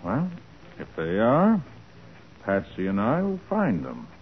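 A man playing a confident, authoritative private detective with an American accent in a brisk 1940s radio crime drama style. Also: fairly low pitch, huge pitch swings, loud music behind the voice, exaggerated voice. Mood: brisk, purposeful. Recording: scratchy, narrow-band 1940s radio recording.

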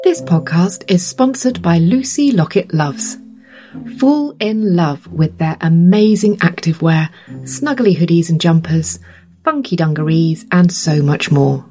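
A British woman hosting a podcast with a scripted introduction, her voice low, husky and gravelly from a cold. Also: measured pace, mellow, faint music behind. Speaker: podcast host.

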